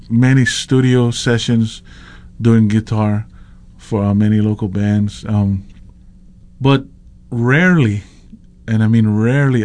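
A man, a slack key guitarist telling stories in a relaxed interview, often restarting his sentences. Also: mid-range voice. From Hawaii. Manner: rambling, with many restarts and laughs. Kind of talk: casual storytelling interview.

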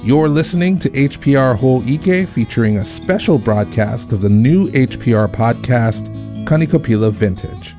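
A man hosting a radio program, reading scripted announcements in a smooth, measured way. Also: mid-range voice, lively intonation, music in the background.

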